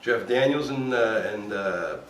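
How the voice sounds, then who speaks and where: A man's voice: fairly low pitch, a little slow, over a noisy crowd. A man who is a former cop turned actor, from New Jersey, telling stories in a casual chat and acting out what people said. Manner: animated storyteller acting out quotes. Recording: echoey room, voice a bit far from the mic, faint background noise.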